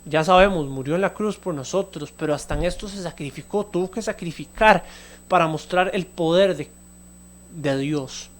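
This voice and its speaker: A man with a Costa Rican Spanish accent delivers a sermon in a slightly high voice. He reads a scripture passage aloud, then steps back to explain it in an easy, conversational way, with the small restarts and fillers of unscripted talk. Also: moderate pace. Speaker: preacher. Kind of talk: Bible reading and sermon commentary.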